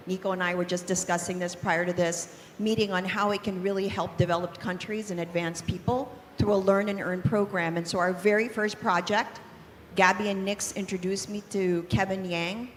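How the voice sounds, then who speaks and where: An enthusiastic woman from the Philippines speaks fluently as a panelist. Her mid-pitched voice rings in a large hall with long reverb. Faint room noise lies behind her. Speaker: panelist, company founder. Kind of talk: panel self-introduction. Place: large event hall on stage.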